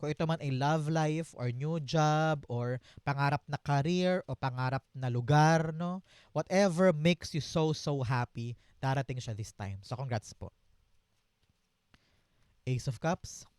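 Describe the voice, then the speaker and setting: Smooth-voiced Filipino man giving a tarot reading. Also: fairly high pitch, a little slow, darkish tone, no echo, studio quality. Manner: encouraging, mixes Tagalog and English, repeats phrases. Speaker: tarot reader.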